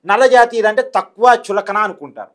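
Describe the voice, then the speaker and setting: Man doing political analysis, high pitched, really quick, emphatic and repeats himself. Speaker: political analyst and senior journalist, guest. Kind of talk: explanatory political commentary.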